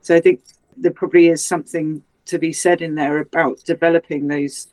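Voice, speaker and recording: A woman's voice: sits low, level tone, brisk, a little mellow, no room sound, rough recording. A woman co-hosting a podcast from a remote call, chatty and teasing, laughing often. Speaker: podcast co-host. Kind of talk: casual podcast chat. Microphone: remote call with headphones.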